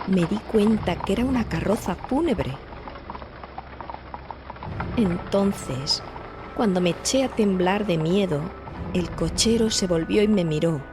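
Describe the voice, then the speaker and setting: An actress playing a frightened young artist's model haunted by dreams, earnest and insistent, in a dramatized audiobook. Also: female voice, mid-range voice, a little slow, pauses often, background noise, lightly acted. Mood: haunted, recounting. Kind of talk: dramatized audiobook acting in Spanish.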